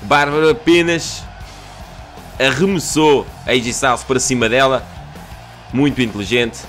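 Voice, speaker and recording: A young Portuguese man commentating a video game in an excitable, loud way, swearing and mixing in English phrases, with faint music behind him. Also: mid-range voice, normal speed. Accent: European Portuguese. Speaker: gaming youtuber.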